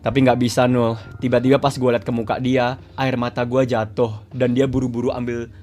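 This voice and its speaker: A man's voice: medium pitch, little pitch movement, fairly quick, a little mellow, faint music behind. A man streaming live, reading viewer confessions aloud in a chatty, teasing way. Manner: chatty, teasing asides to chat. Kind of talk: casual livestream reading.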